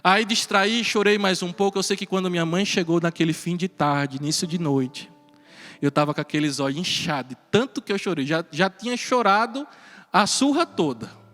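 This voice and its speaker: High-voiced priest preaching. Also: male voice, moderate pace. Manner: personal storytelling, earnest, with chuckles. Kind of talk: homily at Mass. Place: church. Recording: reverberant church with soft music.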